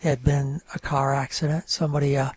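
A man in his fifties from northern New York, whose first language is French, telling his story as a radio guest in a rambling, halting way. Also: mid-range voice, flat delivery, slight background noise. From northern New York, French-speaking home. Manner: rambling, halting with many fillers. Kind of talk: casual radio interview storytelling.

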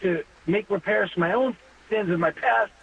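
A man in his fifties calling in to a radio show, talking earnestly and haltingly, with many pauses and fillers. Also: sits high, vocal fry, slight background noise. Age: 50s. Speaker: caller. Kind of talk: phone-in call to a radio show. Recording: dull phone line.

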